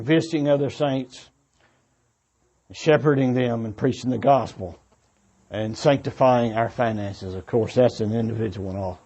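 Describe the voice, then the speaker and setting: Guy preaching kinda informal, earnest n halting, repeats himself, bit muffled lo-fi audio. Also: mid-range voice, darkish tone, breathy edge. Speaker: preacher addressing young adults at a church gathering. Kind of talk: informal sermon, exhortation.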